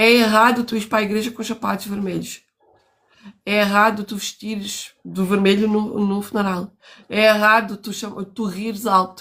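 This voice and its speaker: A woman speaks in an animated tone at a medium pitch. Her pace is moderate. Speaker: therapist and mentor. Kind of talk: casual chat. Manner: loud.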